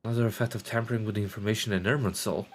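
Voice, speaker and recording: A man's voice: on the low side, steady tone, racing. A man doing casual live game commentary, rambling and sweary, sometimes reading on-screen text aloud. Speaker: game streamer.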